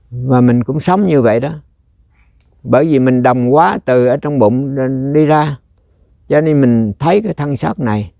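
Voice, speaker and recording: Gravelly-voiced monk, warm and dry. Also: male voice, mid-range voice, dry recording. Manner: rambling, conversational, quizzes listeners. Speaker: Buddhist monk teacher. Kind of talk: dharma talk.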